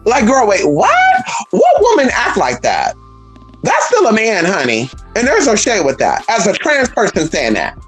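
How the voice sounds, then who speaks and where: A trans woman vlogging a blunt, profane, sassy rant in an emphatic, animated way. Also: medium pitch, a little slow, music in the background. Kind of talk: casual vlog rant.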